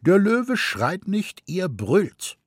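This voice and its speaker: A man doing a pompous know-it-all gentleman. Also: high voice, sing-song, extremely slow, husky, dry recording, clean studio sound, pitched above the performer's own voice, exaggerated voice. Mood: lecturing. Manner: lecturing, pompous, precise. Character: pedantic know-it-all gentleman with pince-nez.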